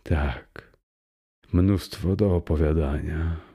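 A man voicing a young, joyful and hospitable man in a read-aloud story, talking in a soft, unhurried way that turns hushed when he muses. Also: very deep voice, husky, dull audio, heavily acted. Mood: warm cheerful.

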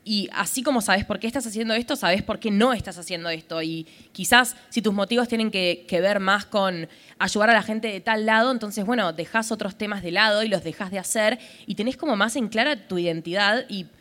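Bright-voiced Argentine woman podcaster. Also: medium pitch, a little fast. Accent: Rioplatense Spanish. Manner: rambling, full of fillers like tipo. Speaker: podcast host. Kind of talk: live podcast chat on stage. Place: festival stage before a live audience.

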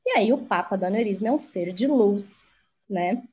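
A woman's voice: mid-range voice, lively intonation, moderate pace, a little mellow, breathy edge. A woman telling a personal story frankly and with animation in a casual conversation, swearing freely. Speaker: guest.

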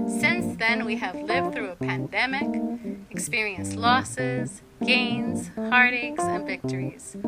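A woman co-hosting a podcast, reading a heartfelt, reflective scripted opening. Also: fairly high pitch. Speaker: podcast co-host.

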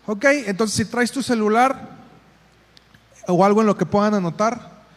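A man's voice: high voice, measured pace. A man with a Mexican accent leading parents through a live group exercise, giving instructions and calling people by name. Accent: Mexican Spanish. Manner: directive, calls people by name, repeats instructions. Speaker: workshop facilitator for parents. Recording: reverberant hall sound.

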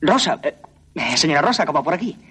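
A man's voice: a little high, sing-song, quick pace, fairly bright tone, breathy edge, exaggerated voice. An actor playing a blunt, defiant young man in a 1970s film drama. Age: young adult. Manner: curt, defiant. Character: cocky, blunt young working-class man.

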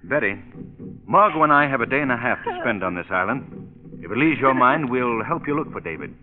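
Male actor as confident gentleman adventurer, lively intonation, reassuring, urbane, tinny vintage radio recording. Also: mid-range voice, a little fast, music in the background, natural voice. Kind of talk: 1940s radio acting.

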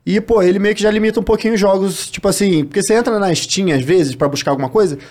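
A man's voice: high voice, fast, darkish tone. A man with a Rio de Janeiro accent, a guest chatting casually and loosely on a podcast, full of slang. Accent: Rio de Janeiro Brazilian Portuguese. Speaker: guest YouTuber.

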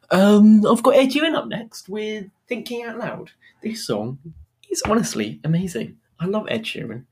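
A man's voice: a little high, slightly rough. A British man presenting a music radio show in an upbeat, chatty, informal way, talking straight to the listeners.

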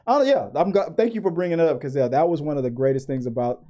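A man co-hosting a casual podcast conversation. His voice is mellow and relaxed. He rambles, restarts his sentences and laughs easily. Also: fairly high pitch, fast talker. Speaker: podcast co-host. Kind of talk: casual chat.

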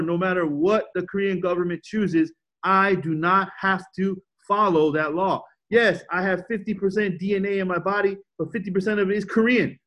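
Male pastor, high voice, emphatic preacher who repeats key points. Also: a bit bright, dull audio. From United States. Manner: emphatic, repeats points, asks the audience questions. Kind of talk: sermon.

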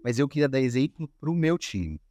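A man speaking as a podcast guest, easygoing and chatty, stumbling over his words and starting again as he tells his stories. His voice sits at a middle pitch for a man and comes across dry and close to the mic. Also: moderate pace, no echo. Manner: relaxed storytelling with many restarts and filler. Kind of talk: casual conversation.

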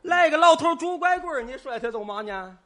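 A man trades lines in a stage crosstalk comedy act, playing the obtuse sidekick who keeps twisting every word. His voice sits very high and rings bright and bold. He rattles along quickly, swinging up and down as he banters. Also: lively intonation. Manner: playfully obtuse, keeps twisting the other man's words.

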